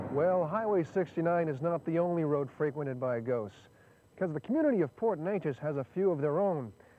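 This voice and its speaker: This man has an unremarkable speaking voice, fairly high in pitch, with lively intonation and a fairly quick pace. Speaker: TV magazine co-host. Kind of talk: TV news feature narration.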